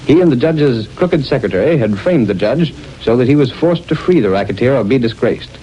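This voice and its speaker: A male announcer giving formal, measured narration for a 1930s radio drama, on an old radio recording. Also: medium pitch, animated, warm tone, low-quality recording.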